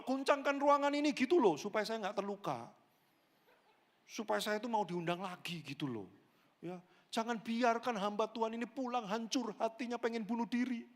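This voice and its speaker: Man, pastor, high animated voice, acts out characters, church hall with long reverb. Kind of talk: lively sermon with acted-out dialogue.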